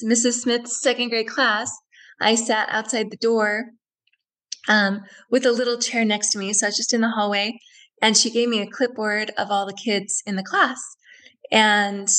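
A woman's voice: mid-range voice, fairly bright tone, low-quality recording. A woman guest in a radio interview who tells a personal story earnestly and reflectively, often repeating phrases.

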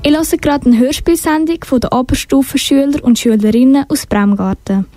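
A woman's voice: high-pitched, fairly quick, dark tone. A teenage girl, announcing a school radio program in a simple, careful reading. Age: teens. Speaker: student radio presenter.

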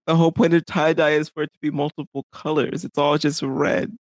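A man's voice: on the high side, flat delivery, a little fast, no echo. A man on a casual chat panel about a TV show, blunt and argumentative, swearing now and then. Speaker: podcast panelist.

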